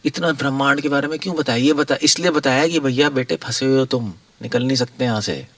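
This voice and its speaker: A man's voice: mid-range voice, quick pace, no echo, recorded from a distance. A monk giving informal spiritual guidance in a conversational way, repeating his points and chuckling now and then.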